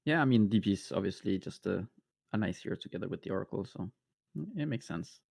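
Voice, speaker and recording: A man co-casting a live esports match, speaking haltingly with frequent restarts. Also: low voice, expressive, creaky, darkish tone, no echo, clean studio sound. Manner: hesitant, many restarts and fillers. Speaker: esports co-caster. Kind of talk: live game commentary.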